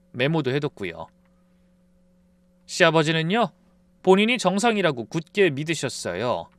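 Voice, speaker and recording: A male narrator tells a first-person family drama in a calm, confiding way. His voice is smooth and resonant, with a lively pitch that rises and falls. It sits somewhat high and sounds dry and close. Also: dry recording.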